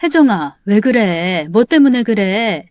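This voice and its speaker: A woman voicing a gentle, long-suffering older mother in a spoken story drama, talking softly and slowly to calm her daughter. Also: medium pitch, no room sound, clean studio sound. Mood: soothing. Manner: soft, slow, soothing.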